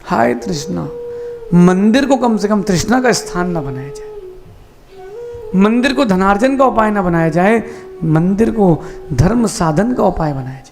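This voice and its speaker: A man, a Jain monk, giving a sermon with slow emphatic explanations and rhetorical questions. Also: sits high, expressive, vocal fry, a little mellow, soft background music.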